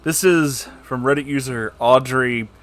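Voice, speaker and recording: Man, mid-pitched voice, story channel host, informal animated reading, joking commentary, music in the background. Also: unhurried. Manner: animated, jokey, informal asides. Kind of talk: reading online stories aloud with casual commentary.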